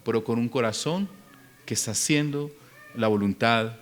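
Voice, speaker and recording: A man preaching a Sunday sermon in a church, fervent and emphatic, moving between hushed pleading and loud bursts. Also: medium pitch, normal speed. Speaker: pastor. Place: church sanctuary.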